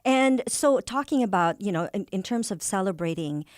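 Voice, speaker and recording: A woman's voice: medium pitch, lively intonation, normal speed, a little mellow, no room sound, clean studio sound. A woman from the Philippines interviewing a guest over a video call, talking with many fillers and restarts. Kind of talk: casual interview.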